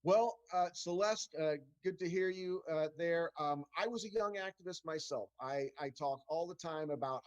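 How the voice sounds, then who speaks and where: A man's voice: mid-range voice, muffled recording. A middle-aged man, a political candidate, answering town hall questions earnestly over a video call, with frequent restarts and fillers. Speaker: congressional candidate.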